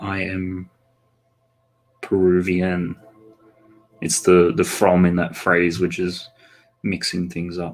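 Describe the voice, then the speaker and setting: A man's very deep, low voice at a very slow pace, monotone and flat, with music in the background. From Australia. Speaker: live artist and streamer. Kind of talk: casual livestream chat while drawing. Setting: livestream.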